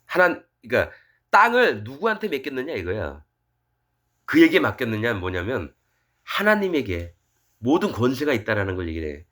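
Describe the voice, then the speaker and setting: A man's voice: medium pitch, wildly swooping pitch, normal speed, a bit bright. A male pastor giving a sermon in a colloquial, conversational manner, reading scripture aloud and explaining it.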